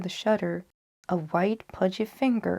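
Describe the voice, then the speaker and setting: A woman speaks at a moderate pace and medium pitch in a dark, mellow tone. The sound is dry and close, with no echo. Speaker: storyteller. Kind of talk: gothic short story reading.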